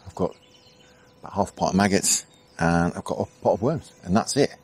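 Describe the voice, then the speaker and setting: A middle-aged Englishman who vlogs about angling chats casually on a canal bank at dawn while fishing. His voice is low, husky, and a little mellow, and he talks slightly fast, thinking aloud with easy fillers. Birdsong and insects fill the background.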